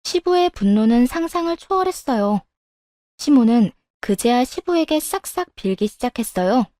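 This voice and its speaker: A woman narrating a dramatic family story in the first person, calm and scripted. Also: fairly high pitch, normal speed, no room sound, studio quality.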